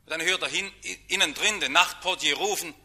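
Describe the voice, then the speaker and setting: Bright-voiced man preaching a sermon. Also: fairly high pitch, brisk. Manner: emphatic, dramatic swings in loudness.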